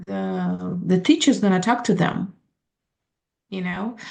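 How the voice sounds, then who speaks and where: A woman with a Brazilian Portuguese accent, at a fairly slow pace. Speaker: podcast guest, English learner. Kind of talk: casual conversation.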